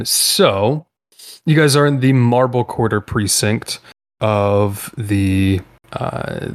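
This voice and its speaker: A man narrating a tabletop role-playing session as game master, unhurried and full of filler sounds. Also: on the low side.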